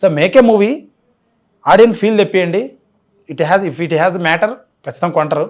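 Pitched high, a man's voice rises and falls with ordinary variation. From Rayalaseema, Kadapa district, Andhra Pradesh. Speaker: YouTuber and film actor. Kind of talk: interview. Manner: animated.

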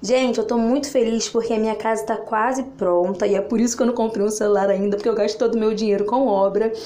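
Very fast and with hardly any pauses, a woman speaks in a flat monotone at very even loudness. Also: fairly high pitch for a woman. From Brazil. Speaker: cake decorator vlogger. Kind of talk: tutorial. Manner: chatty, informal. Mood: cheerful, grateful. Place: kitchen. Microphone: recording on husband's phone; phone near.

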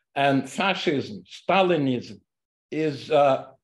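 With a Russian accent, a man speaks at a very slow pace and a fairly high pitch against a quiet background. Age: 70s. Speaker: artist; guest. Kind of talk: panel discussion. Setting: video call. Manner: opinionated, provocative. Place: home room. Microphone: video call.

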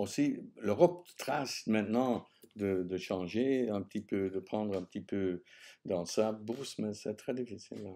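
A man with a Dutch accent, fairly low in pitch, dark and mellow in tone, at a fairly slow pace. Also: ordinary pitch variation. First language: Dutch (speaking French). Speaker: political commentator; guest. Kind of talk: interview. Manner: halting. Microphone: webcam.

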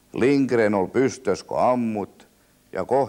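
A man is speaking. He has a Satakunta accent. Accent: Rauma dialect. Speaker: local dialect expert. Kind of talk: humorous column reading in dialect. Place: home room. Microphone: old recording.

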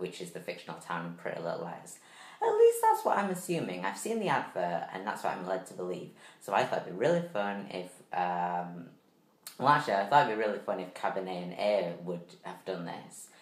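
A man speaks at a fairly quick pace with big swings in loudness. Audible room echo surrounds his voice. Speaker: YouTuber. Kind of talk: casual vlog chat. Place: home room. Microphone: webcam.

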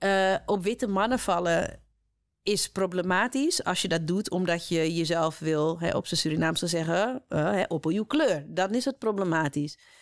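Against a quiet background, a woman talks at a moderate pace with very even loudness. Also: ordinary pitch variation. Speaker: podcast host. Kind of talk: conversational interview. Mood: calm, reflective. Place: studio. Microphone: studio mic.

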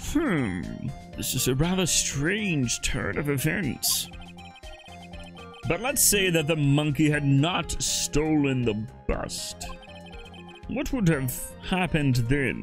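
Clear music plays in the background as a man with a fairly high voice talks at a very slow pace. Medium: game stream. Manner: hesitant, ponderous, easily swayed.

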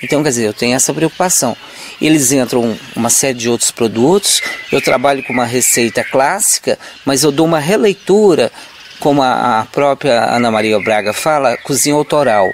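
Noticeable background noise sits under a dry, echo-free recording of a man speaking at a fairly high pitch and a moderate pace with lively intonation. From Brazil, Minas Gerais (Patrocínio); Minas Gerais, Brazil. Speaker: visual artist; interviewee. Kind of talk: interview. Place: garden. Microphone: handheld.

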